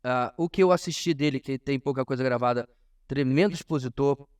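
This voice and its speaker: A man's voice: medium pitch, darkish tone, clean tone. Brazilian man teaching as a pastor. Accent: Brazilian Portuguese. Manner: emphatic, pausing, frequently addressing listeners directly. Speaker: pastor teaching a Bible class. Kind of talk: informal sermon-like lesson to a congregation.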